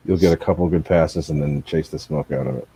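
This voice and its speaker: Man, very deep voice, mellow dark tone, casual chat, hesitant fillers. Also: steady tone, a little fast, slightly rough. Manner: thinks aloud with many ums and uhs.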